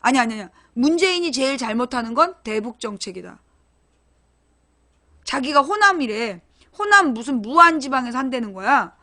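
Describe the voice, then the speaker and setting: A woman's voice: high-pitched, lively intonation, normal speed, bright, forceful tone. A woman hosting a live-stream political commentary show, speaking bluntly and informally and putting questions straight to her chat viewers. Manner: talks directly to chat viewers, asks them questions; blunt and emphatic, informal speech.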